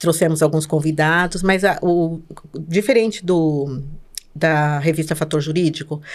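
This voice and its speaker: At a fairly slow pace, a woman with a very deep, low pitch speaks with fairly even intonation and very even loudness. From Brazil, São Paulo state (Lapa). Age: 60s. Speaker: lawyer. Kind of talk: interview. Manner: hesitant with frequent repetitions.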